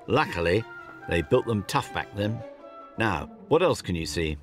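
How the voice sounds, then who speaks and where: A male narrator reads a punning, cheeky script. His pitch is rather low and moves around a lot. Soft music plays beneath him. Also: very animated, measured pace. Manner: playful, punning.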